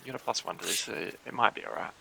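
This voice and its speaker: Guy game master narrating off the cuff, very bright forceful voice, casual. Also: on the low side, racing, vocal fry, husky.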